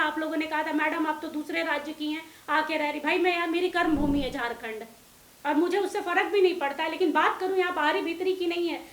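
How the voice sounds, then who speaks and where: A woman anchors a news discussion in a very high voice. She explains at length in an earnest way, and the room around her rings with echo. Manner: earnest, explains at length with frequent "hmm" acknowledgements.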